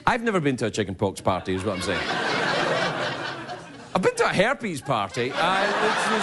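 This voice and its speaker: A man doing a rambling stand-up monologue, slipping into silly voices for quick bits. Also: fairly high pitch, very noisy. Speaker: stand-up comedian. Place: comedy stage before a live audience. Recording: live room with loud audience laughter.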